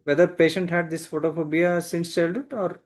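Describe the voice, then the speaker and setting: A man's voice: on the high side, fairly even intonation, moderate pace. A man with a South Asian accent, a medical examiner teaching and questioning insistently on a webinar call. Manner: insistent, repeats questions, checks with "correct?".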